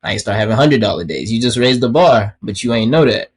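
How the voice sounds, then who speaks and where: In a casual video-call interview, a young Kenyan trader whose first language is Swahili talks about trading in a slangy, easygoing manner. His mid-range voice moves fast with lively intonation, and there's slight background noise.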